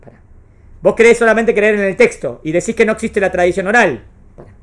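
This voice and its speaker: A woman's voice: medium pitch, fast talker. Rioplatense woman teaching a class, keeps asking if everyone gets it. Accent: Rioplatense Spanish. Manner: questioning, checks understanding often. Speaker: religious studies teacher. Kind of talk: classroom lecture.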